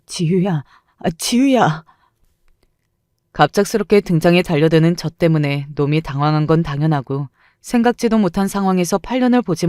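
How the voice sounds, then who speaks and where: A woman's voice: deep voice, darkish tone, clean tone, no echo, clean studio sound. A woman narrating a first-person dramatic true story with emotional, indignant delivery.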